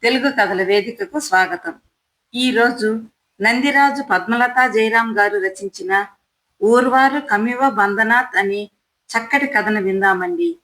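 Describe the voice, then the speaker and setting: A woman reading an audio story aloud in steady first-person narration. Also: a little high, measured pace, low-quality recording.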